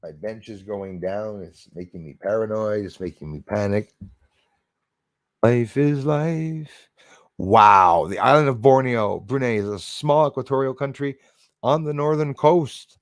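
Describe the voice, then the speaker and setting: A man's voice: on the low side, moderate pace, gravelly, no room sound, clean studio sound. A man hosting a livestream, talking in a rambling, chummy, conversational way to his viewers. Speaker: livestream host greeting viewers in chat. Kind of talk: casual livestream chat.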